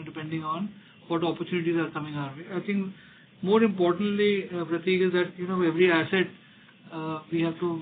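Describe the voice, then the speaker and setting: A man's voice: fairly high pitch, a little hiss or hum. Indian man on a tinny phone line. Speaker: company executive answering investors. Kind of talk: spoken answers on an earnings call.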